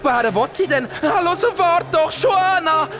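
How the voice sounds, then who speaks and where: A woman's voice: extremely high pitch, expressive, normal speed, over loud music. A woman with a Swiss German accent, playing a flamboyant, theatrical trans woman who is easily flustered, in an audio drama. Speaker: main character in an audio drama.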